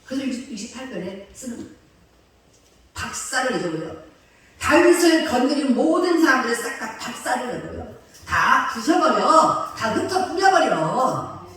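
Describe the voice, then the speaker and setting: A woman's voice: high-pitched, big pitch swings, normal speed, fairly bright tone, distant mic. A woman pastor preaching a sermon in a colloquial, emphatic way, often throwing rhetorical questions at her listeners. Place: church sanctuary. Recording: very echoey church hall, heard from afar with faint noise.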